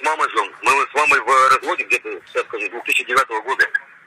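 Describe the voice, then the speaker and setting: Light background noise sits under the voice. The sound is dry, with no echo. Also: man. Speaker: interviewee. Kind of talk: interview answer.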